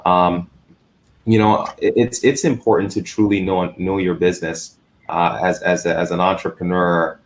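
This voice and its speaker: A man on an investor panel, speaking haltingly with frequent restarts. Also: sits low, fairly even intonation, slight background noise. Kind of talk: panel discussion.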